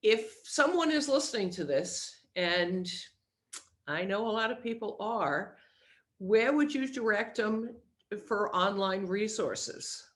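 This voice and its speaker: A woman's voice: mid-range voice, animated, takes it slowly. A woman hosting a podcast, asking questions and adding short encouraging comments in a casual conversational way. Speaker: podcast host.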